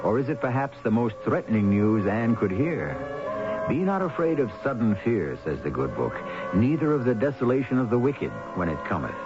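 A man's voice: mid-range voice, big pitch swings, normal speed. A man hosting and narrating a radio mystery in a theatrical, portentous scripted style. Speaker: host and narrator. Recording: dull vintage radio recording. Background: music.

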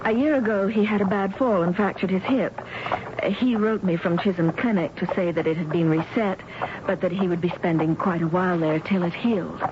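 A guarded, anxious young woman played by a radio actress speaks in a formal, reserved way. It is period radio drama from the 1970s, dull in sound with clear background noise. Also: lowish voice, a little fast, natural voice. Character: anxious, reserved young woman, turn-of-the-century music student. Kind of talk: 1970s radio drama acting, first-person narration and dialogue. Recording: dull, noisy old radio recording.

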